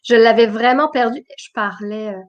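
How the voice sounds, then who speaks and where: A woman's voice: on the high side, normal speed, muffled recording. A woman from Quebec with a mixed Quebec and France French accent, hosting a casual interview in a friendly, enthusiastic way. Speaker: host. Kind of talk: casual video-call interview.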